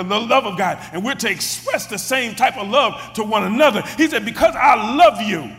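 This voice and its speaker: High-voiced preacher man in a reverberant hall. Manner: repeats words, builds to shouted exclamations. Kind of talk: sermon.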